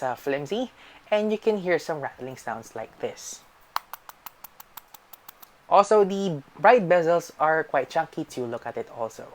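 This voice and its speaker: A woman presenting a scripted gadget review as a tech channel host, with emphatic sentence openings that trail off at the ends. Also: sits low. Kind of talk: scripted product review narration.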